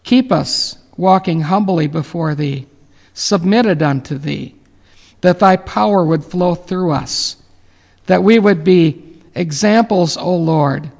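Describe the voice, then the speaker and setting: A pastor in his fifties, late fifties in fact, gives closing remarks and a reverent prayer in a deeply gravelly, slightly high, a little mellow voice. He speaks earnestly, pausing with fillers. The audio is dull with a long reverb.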